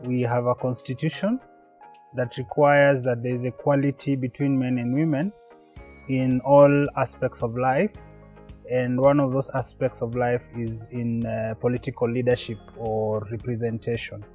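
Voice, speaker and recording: A man's voice: mid-range voice, level tone, normal speed, dark tone, dull audio, soft background music. A man explaining a project's work in a documentary interview. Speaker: project representative.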